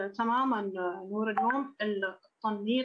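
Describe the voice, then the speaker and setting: Fairly high in pitch, a woman speaks with fairly even intonation. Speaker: community leader. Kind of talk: radio interview.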